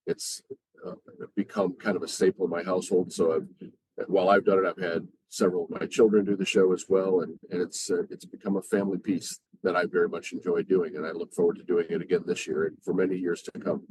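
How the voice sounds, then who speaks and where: A man's voice: sits low, little pitch movement, quick pace, a little mellow, husky, rough recording. A middle-aged man who voices parts in community radio plays, talking conversationally in a podcast interview. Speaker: community radio play actor.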